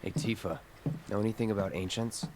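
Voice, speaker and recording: An actor playing a stoic, aloof young mercenary in a video game, terse and deadpan. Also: male voice, lowish voice, a little fast, lightly acted. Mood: cool, reserved. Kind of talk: understated video game voice acting. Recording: loud game noise behind voice.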